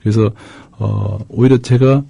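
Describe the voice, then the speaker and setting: Low, gravelly Korean man, thoughtful. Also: fairly even intonation, warm tone, no echo. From Daegu, South Korea. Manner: thoughtful, hesitant, measured. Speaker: guest reporter. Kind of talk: radio talk show guest conversation.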